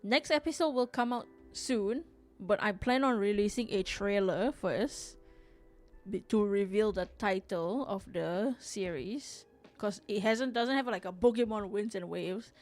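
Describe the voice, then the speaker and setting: A woman's voice: medium pitch, unhurried, faint music behind. A woman from Singapore hosting a live drawing stream, chatting casually, reading chat aloud and rambling with frequent restarts. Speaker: livestream artist host.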